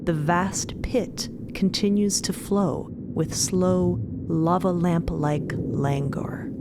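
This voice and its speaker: A woman's voice: on the low side, steady tone, slow pace, noisy background. A woman narrating an audio fiction story in a dramatic style. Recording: loud music behind.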